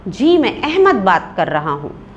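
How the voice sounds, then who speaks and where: A woman's voice: mid-range voice, wildly swooping pitch, measured pace, lo-fi sound, a little hiss or hum. A woman voicing a sick, grumpy husband who is trying to rest, reading a play aloud for a class. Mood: weary. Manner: irritated, weary.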